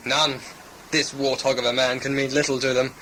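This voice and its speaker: An actor playing a hot-tempered, mocking tribal warrior with sneering, formal archaic speech in an audio drama. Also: male voice, medium pitch, level tone, moderate pace, bright, forceful tone, a little hiss or hum, lightly acted, low-quality recording. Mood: resentful.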